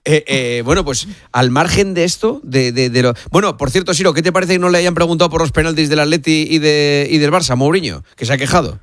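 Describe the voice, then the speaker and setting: A man's voice: a little high, a little fast, few pauses, a bit bright, dry recording, clean studio sound. A man hosting a football talk panel, asking the guests questions and steering the casual chat. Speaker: show host.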